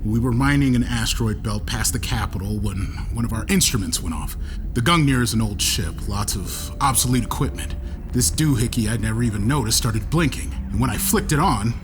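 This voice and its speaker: An actor playing a hot-tempered, sarcastic captain of an old starship in a sci-fi audio drama. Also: male voice, mid-range voice, lively intonation, brisk, background noise, close to an everyday voice. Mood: explaining. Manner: sarcastic, brash.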